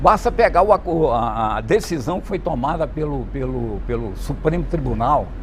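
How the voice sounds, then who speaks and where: A man at a moderate pace with hardly any pauses, over noticeable background noise. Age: 70s. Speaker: debate guest, commentator. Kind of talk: televised debate.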